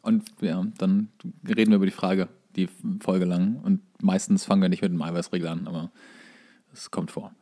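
A man with a fairly low voice chats as a podcast co-host. His delivery is casual and conversational, with dry, ironic humour. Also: flat delivery, moderate pace, mellow. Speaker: podcast co-host, stage fight choreography instructor. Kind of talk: casual banter.

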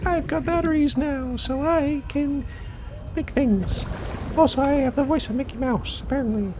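A man's voice: very high-pitched, moderate pace, noisy background, voice pushed up. A man putting on the voice of a gleeful, boastful cartoon mouse. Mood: gleeful boasting.

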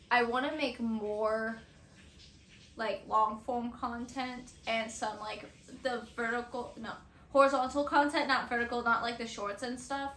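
A woman's voice: on the high side, fairly bright tone. A woman in her twenties vlogging casually to camera in a bedroom, rambling and correcting herself as she goes. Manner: rambling, self-correcting, often laughing between phrases. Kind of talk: casual unscripted chat to camera. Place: small bedroom indoors. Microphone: camera a few metres away. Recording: roomy echo, some background noise, mic at distance.

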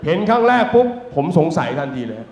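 A man doing a live stand-up show on a theater stage as a financial coach, telling stories in a crude, animated way full of swearing. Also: on the high side, fast. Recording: roomy, slightly dull live stage audio.

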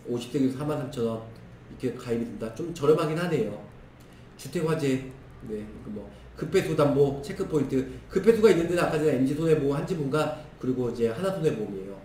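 Hoarse man listing insurance figures. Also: mid-range voice, mellow, far from the mic. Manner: brisk, listing figures in clipped phrases. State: hoarse, strained throat. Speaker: insurance product explainer. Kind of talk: screen-share product walkthrough. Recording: roomy echo, voice off-mic with faint noise.

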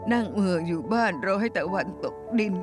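A woman's voice: mid-range voice, music in the background, natural voice. A woman voicing a lonely old woman in her later years who grieves her lost dog, dubbed for a drama. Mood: sad. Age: older. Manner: fretful, quick to accuse, then wistful. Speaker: dubbing actor. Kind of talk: Thai TV drama dub.

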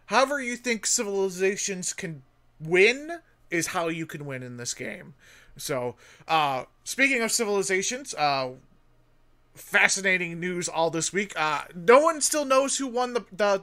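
Bright chatty male streamer. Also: sits high, big pitch swings, unhurried. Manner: chatty, promotional, filler-heavy. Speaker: podcast co-host and game streamer. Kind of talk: casual chat while streaming a game.

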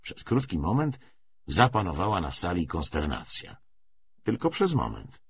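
A man reading literary narration for an audiobook in an expressive, measured storytelling way. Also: low-pitched, gravelly, slightly rough. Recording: dull, muffled lo-fi recording.

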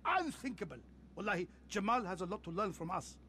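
An actor playing a pompous, jovial, middle-aged rich car collector with an Arab accent and a theatrical manner in a video game. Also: male voice, sits high, fairly quick, slight background noise. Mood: exasperated, bossy. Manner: theatrical, grandiose, animated. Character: flamboyant wealthy car collector, male, pompous, jovial, bossy older cousin. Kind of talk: video game cutscene acting.

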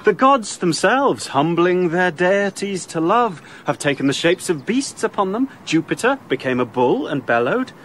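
An ardent young lover. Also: male voice, a little high, a bit bright, slight background noise. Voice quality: ardent, reassuring. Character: young male prince in love, ardent. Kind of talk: radio play acting.

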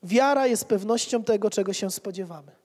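Pastor, thirties; fairly high voice, preaching into a handheld mic, echoing hall. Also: male voice, brisk, a little mellow. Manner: rhetorical repetition, conversational asides. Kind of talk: sermon. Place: church hall with pews. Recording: reverberant church hall.

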